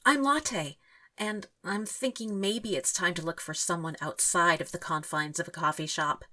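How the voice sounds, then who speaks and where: Hopeful young romantic, eager yet hesitant, bright forward tone, audio drama. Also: female voice, lowish voice, normal speed.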